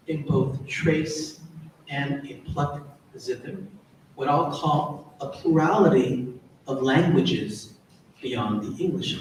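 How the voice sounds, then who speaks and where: A man moderating a literary panel, asking formal questions in a measured way. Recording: echoey hall, distant mic, rumble.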